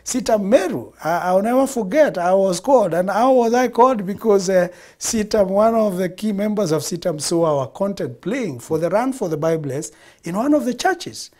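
A man's voice: high voice, lively intonation, normal speed, darkish tone. A middle-aged Kenyan man, a guest on a studio TV interview, speaking expansively and repeating phrases for emphasis. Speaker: guest, founder of a production studio. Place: TV studio set.

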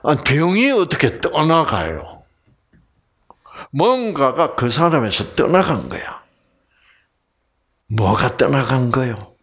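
A man from Gyeongsang Province giving a lively Bible lecture, often quizzing his audience. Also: medium pitch, takes it slowly, long pauses, husky. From Gyeongsang Province, Korea. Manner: animated, keeps quizzing the audience.

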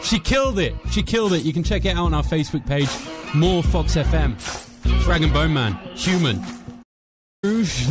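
Young male radio DJ, lively swooping pitch. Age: young adult. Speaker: afternoon radio host. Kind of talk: upbeat music radio DJ links. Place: small padded radio studio. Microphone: close studio microphone on boom arm. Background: music bed.

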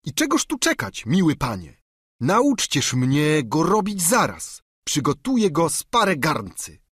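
An eager, simple peasant squire pleads in a raised, excitable voice, as a male narrator puts him on. It sounds husky and swoops widely, recorded dry and close. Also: fairly high pitch, unhurried, dry recording, pitched above the performer's own voice, heavily acted. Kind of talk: audiobook character reading.

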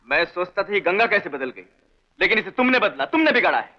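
A man's voice: high-pitched, very animated, fast talker. An actor playing a stern, proud father in a 1960s Hindi film, speaking curtly and with command. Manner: curt, commanding. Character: stern proud widowed father, short-tempered. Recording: dull old film soundtrack.

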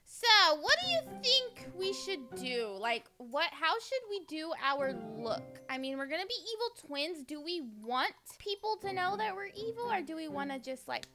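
A woman's voice: extremely high pitch, big pitch swings, normal speed, few pauses, over loud music. A young woman hosting a game video, chatting playfully in role-play with giggly, exaggerated reactions. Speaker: gaming video host. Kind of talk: casual role-play chat while gaming.

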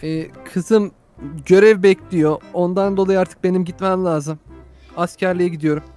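A woman voicing a kind soldier father saying goodbye to his family in a game story, talking gently and reassuringly. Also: lowish voice, fairly even intonation, moderate pace, soft background music, close to an everyday voice. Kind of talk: Roblox role-play storytelling.

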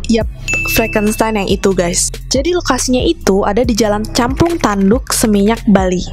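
A woman's voice: a little high, darkish tone. A young woman narrating a casual restaurant review vlog in a chatty way, often addressing viewers as guys. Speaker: vlogger.

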